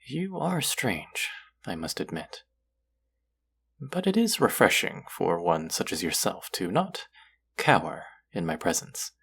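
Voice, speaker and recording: Guy doing aloof underworld god for audio rp, really deep n gravelly, formal and dry, secretly soft. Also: exaggerated voice. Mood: imperious, curious. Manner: formal, wry, guarded, addressing the listener directly. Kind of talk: intimate scripted audio roleplay.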